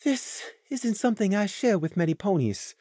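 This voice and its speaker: A woman voicing a gentle, humble female unicorn in an audio story, calm and patient with a smooth, musical tone. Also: medium pitch, normal speed, no echo, clean studio sound, voice pushed up, natural voice. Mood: calm, sad.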